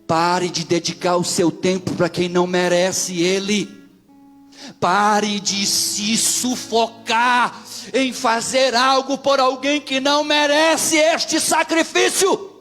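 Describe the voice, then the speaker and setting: A Brazilian man preaching as a pastor, telling stories with animation and rising into shouts. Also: sits high, takes it slowly, soft background music. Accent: Brazilian Portuguese. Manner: animated storytelling, swings into shouting climaxes. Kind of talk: sermon.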